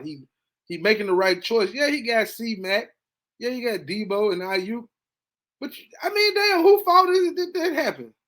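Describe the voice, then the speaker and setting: Animated man hosting a sports podcast. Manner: animated, swings between low mutters and excited high bursts. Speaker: podcast host. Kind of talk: casual sports reaction monologue.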